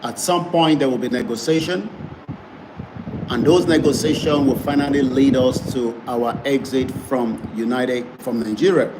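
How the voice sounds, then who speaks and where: A man's voice: mid-range voice, moderate pace. Male web broadcaster, emphatic campaigning delivery, noisy recording. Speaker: online broadcaster. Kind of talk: advocacy broadcast. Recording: noisy background.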